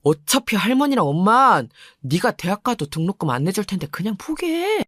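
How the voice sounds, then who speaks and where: A woman's voice: medium pitch, very animated, normal speed, a bit bright, no room sound, clean studio sound. A woman voicing a sullen teenage boy who answers his sister curtly and dismissively, story reading. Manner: curt, dismissive.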